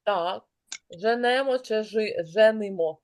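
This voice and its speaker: A woman teaching an online class, brisk and encouraging, calling on pupils by name. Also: medium pitch.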